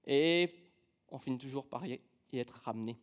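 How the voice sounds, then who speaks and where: A man's voice: medium pitch, moderate pace. A man with an accent from France, preaching a conversational sermon in a church, casual and humorous, telling personal stories with many fillers. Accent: French from France. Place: church sanctuary.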